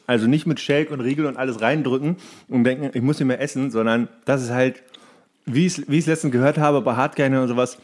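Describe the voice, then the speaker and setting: A man's voice: medium pitch, a little mellow. A man co-hosting a casual podcast in joking banter, his speech chewy as if his mouth is full. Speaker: podcast co-host.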